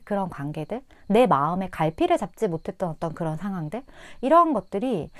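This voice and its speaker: A woman reads tarot cards for her viewers in a soft, musing manner, humming and trailing off as she thinks aloud. Her pitch rises and falls in a lively way. The recording is close and dry, with no room sound. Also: no echo. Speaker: tarot reader. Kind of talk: casual tarot reading to viewers.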